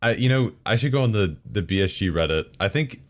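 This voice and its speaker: Deep-voiced sarcastic male streamer. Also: animated, fairly quick, faint music behind. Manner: sarcastic, chuckling asides. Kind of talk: casual chat reading forum posts between game loads.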